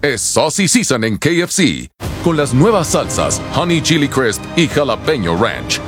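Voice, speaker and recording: A man's voice: mid-range voice, very animated, measured pace. Dramatic male ad narrator. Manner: dramatic, storytelling. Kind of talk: scripted ad narration. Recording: with clear music behind.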